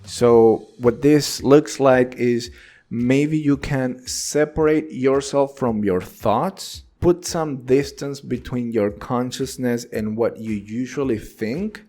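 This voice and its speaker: A man whose first language is Spanish, giving an earnest, encouraging English lesson straight to the viewer with animated delivery. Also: medium pitch, slow pace. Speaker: English teacher. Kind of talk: direct-to-camera English lesson.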